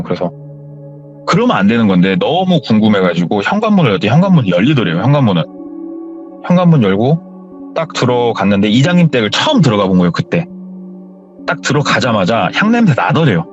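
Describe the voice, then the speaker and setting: A man hosting a horror story radio show, telling a story in an animated way and acting out the quoted lines. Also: mid-range voice. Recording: dull audio with faint music.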